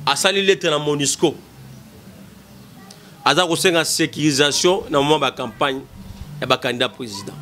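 A man's voice: fairly high pitch, normal speed, pauses often, sharp tone, slight background noise. A man in his thirties with a Congolese accent, giving impassioned political commentary into a desk mic in a small studio, emphatic and repetitive. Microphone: desk mic in front.

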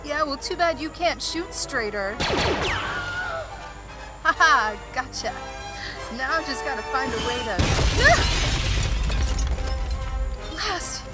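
A woman acts as a plucky rebel woman pilot in a sci-fi audio drama. Her voice sits high, she talks in wry, gutsy quips, and loud music plays behind her. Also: animated, slow pace, long pauses. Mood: cocky, teasing. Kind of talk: fan-made sci-fi audio drama acting.

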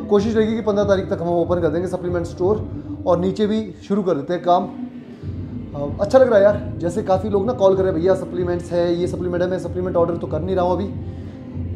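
A young man vlogging from his gym, talking casually to camera held at arm's length, pleading with viewers and loudly greeting members. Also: high-pitched. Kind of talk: casual vlog chat to camera. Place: indoor gym. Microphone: handheld camera at arm's length. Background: music.

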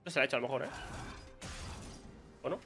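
A man's voice: mid-range voice, quick pace, vocal fry, a bit bright. A young man with a Spain Spanish accent giving casual live commentary on his own gameplay, muttering to himself and exclaiming when surprised. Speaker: gaming streamer.

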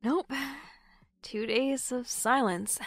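A woman's voice: fairly high pitch, takes it slowly, no room sound. An actress playing an anxious, earnest young woman in an audio drama. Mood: downcast.

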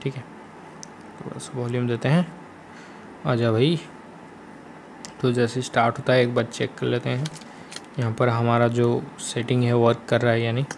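A man's voice: mid-range voice, level tone, normal speed, vocal fry, pauses often. A man with an Indian accent explaining steps in a casual gaming screen tutorial, repeating his instructions as he goes. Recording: faint background noise.

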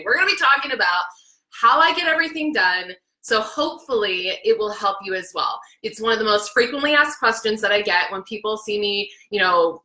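An excitable woman in her thirties hosts a live podcast from her small home office, her naturally loud voice bright and forceful. She speaks into a studio mic while wearing headphones, and the room adds a noticeable echo. Her pitch sits a little high. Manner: hyper, excitable, naturally loud, laughs often. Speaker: podcast host. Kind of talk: energetic live video podcast.

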